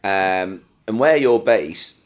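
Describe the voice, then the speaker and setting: A man's voice: low voice, expressive, slow pace. A man hosting a podcast, asking questions in a friendly, matey, casual way. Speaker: podcast host. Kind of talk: casual interview chat.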